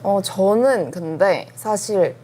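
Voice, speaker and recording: A young woman guest talking calmly and matter-of-factly in a casual chat. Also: mid-range voice, takes it slowly, a little hiss or hum.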